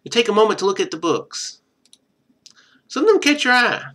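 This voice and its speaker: Male let's-play streamer, bright forceful tone, slightly high pitch, reads game text and comments casually. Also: sing-song, moderate pace. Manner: thinks aloud while playing.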